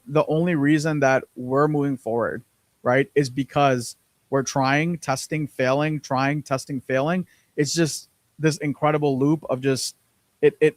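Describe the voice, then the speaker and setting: A man's voice: medium pitch, no echo. A man co-hosting a business podcast in casual chat, rambling with lots of fillers and repeated words, on a close mic. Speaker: podcast co-host.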